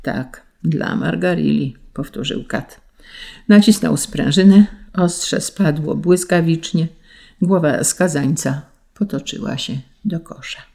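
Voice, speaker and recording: An audiobook narrator reading a classic tale in a measured, solemn storytelling manner. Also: mid-range voice, darkish tone.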